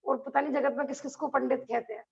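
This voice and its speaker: High, gravelly-voiced woman teaching a class. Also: steady tone, fast, highs cut off. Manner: asks the class rhetorical questions, laughs between points. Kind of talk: lecture to a class.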